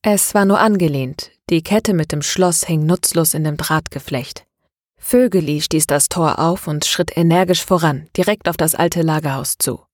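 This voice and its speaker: A woman narrating a novel in a steady, measured reading. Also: sits low, no room sound, clean studio sound. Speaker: audiobook narrator. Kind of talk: scripted narration.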